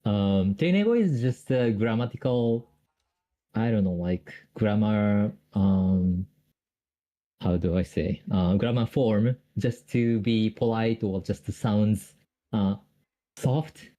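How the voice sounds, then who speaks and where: A man's voice: on the low side, slow, warm tone. A Japanese man speaking English with a Japanese accent, explaining grammar on a call, hesitant with many fillers and restarts. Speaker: Japanese tutor.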